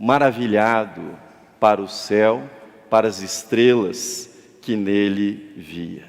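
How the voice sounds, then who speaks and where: Very slow male speech, amid noticeable background noise and audible room echo. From interior of Brazil (countryside, not São Paulo city). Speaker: pastor. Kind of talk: sermon. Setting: church.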